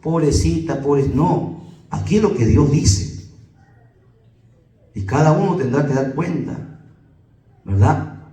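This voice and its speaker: A pastor with a Peruvian Spanish accent, preaching emphatically to a congregation and firing off rhetorical questions. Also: male voice, a little high, expressive, slow, pauses often, dark tone, roomy sound, recorded from a distance, poor audio.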